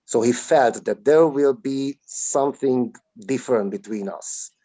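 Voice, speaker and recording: A man, a native Hungarian speaker and actor, answering slowly in a webinar interview over a video call, with many drawn-out fillers. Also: mid-range voice, dark tone, no room sound, low-quality recording. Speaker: film actor, guest.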